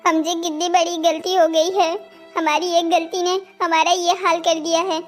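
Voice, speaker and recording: A naive, dutiful cartoon boy as a woman plays him. The voice is extremely high and childlike, polite and earnest in delivery. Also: flat delivery, normal speed, faint music behind. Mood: remorseful, earnest. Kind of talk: scripted cartoon story dialogue.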